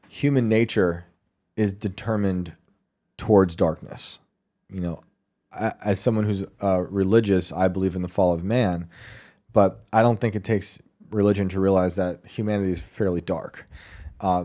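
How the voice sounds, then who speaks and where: Low, mellow-voiced male podcast host. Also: normal speed. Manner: relaxed, laughs often, thinks aloud with fillers. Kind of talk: casual call-in show chat.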